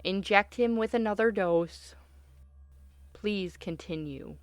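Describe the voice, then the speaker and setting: A woman's voice: mid-range voice, takes it slowly, no room sound, lightly acted. A woman performing a cold military doctor in a radio drama, recorded very dry. She is clipped, commanding and insistent, pressing her subject without sympathy. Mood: cold, clinical. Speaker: doctor leading an interrogation. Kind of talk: radio play acting.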